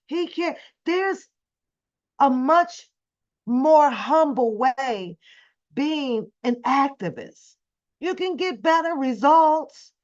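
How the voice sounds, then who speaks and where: An American woman hosting a casual livestream, commenting on video clips indignantly and repeating phrases for emphasis. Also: a little high. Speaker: livestream host. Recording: dull, lo-fi livestream audio.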